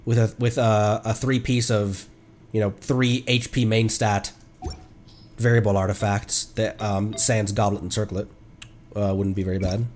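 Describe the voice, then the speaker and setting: A man's voice: on the low side, flat delivery, a little slow, darkish tone. A man livestreaming a video game with casual, rambling commentary, thinking aloud as he plays. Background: video game music.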